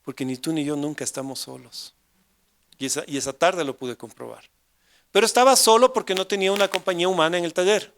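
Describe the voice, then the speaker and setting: A male pastor with an Ecuadorian Spanish accent preaches to his church, weaving a personal testimony into the sermon. His voice sits a little high for a man, and he presses his points with rhetorical questions, dropping low and then rising loud again. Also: fast. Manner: emphatic preaching with rhetorical questions and sudden swings in loudness. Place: church service.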